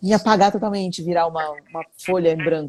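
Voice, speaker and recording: A woman speaks at a fairly quick pace, her fairly low voice dark and mellow in tone. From Brazil. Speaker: actress. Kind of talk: casual chat.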